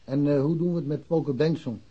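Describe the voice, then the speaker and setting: An actor playing an easygoing older provincial policeman in a radio drama, husky, wry and a little hesitant. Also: on the high side, fairly even intonation, quick pace, warm tone. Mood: mild, curious. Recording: dull, muffled lo-fi audio.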